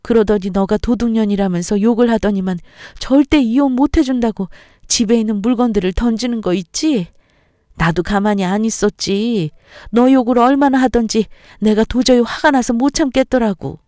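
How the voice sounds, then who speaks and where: A hurt older mother laments and complains in a plaintive voice, as a woman reads her. The tone is warm and mellow. The sound is dry and close to the mic. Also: a little high, moderate pace, dry recording, pitched above the performer's own voice, close to an everyday voice. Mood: lamenting.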